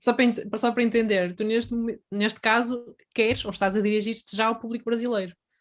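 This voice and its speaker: Speaking in a northern Portuguese accent, a woman has fairly high pitch and monotone, flat intonation. She goes at a very fast pace with hardly any pauses. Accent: European Portuguese, northern. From Portugal, Porto. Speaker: vocal coach. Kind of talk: interview conversation.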